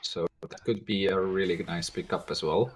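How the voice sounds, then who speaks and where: Man, lowish voice, teasing, casual call chat, reads chat. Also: fairly even intonation, normal speed, husky. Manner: teasing, curious. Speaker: stream co-host reading chat.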